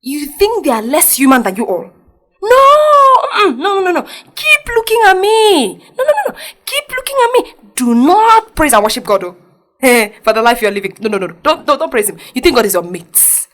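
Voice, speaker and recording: A woman's voice: sits high, sing-song, normal speed, a bit bright, a little hiss or hum. A woman playing a devout, scolding Nigerian Christian mother in an audio drama, with a Nigerian accent and an insistent, preachy manner. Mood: angry scolding. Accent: Nigerian Igbo-language English. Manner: preachy, exclamatory, repeats herself insistently. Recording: music behind the voice.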